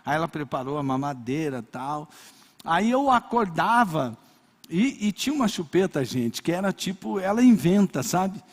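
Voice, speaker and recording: An older man with a Brazilian accent preaching a sermon, telling personal stories in a lively way and acting out little scenes. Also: fairly high pitch, moderate pace, long reverb tail. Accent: Brazilian Portuguese. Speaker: pastor.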